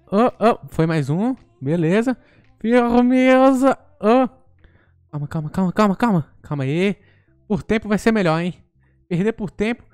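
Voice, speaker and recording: A man with a Brazilian accent giving live gameplay commentary as a gaming YouTuber, excitable and quick to blurt out interjections. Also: high voice, smooth, no room sound.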